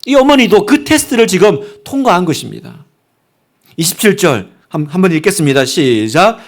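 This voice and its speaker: Male pastor, sermon, high-pitched voice, emphatic delivery with sharp swings from loud to hushed. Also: very animated, normal speed.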